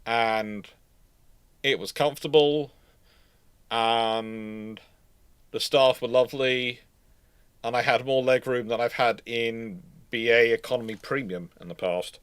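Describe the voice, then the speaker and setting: A man's voice: medium pitch, fairly even intonation, takes it slowly, long pauses, fairly bright tone, clean tone, no room sound. A man hosting a live stream, rambling casually as he answers viewers' questions. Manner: rambling, tangent-prone. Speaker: host of a naval history live stream.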